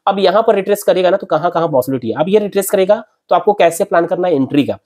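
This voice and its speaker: A man's voice: high voice, very fast, darkish tone. A man hosting a market analysis video, walking through price charts in a conversational way and repeating his points to drive them home. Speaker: crypto market analyst host. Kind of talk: chart walkthrough explanation.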